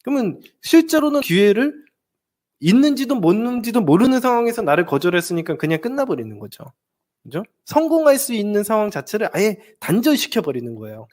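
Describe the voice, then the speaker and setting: A male relationship counselor gives a spoken lecture to his viewers. His voice is light and high for a man, with a lively melody that rises and falls, and he slips into acted-out dialogues to make his points. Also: brisk. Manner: animated, acts out examples in dialogue.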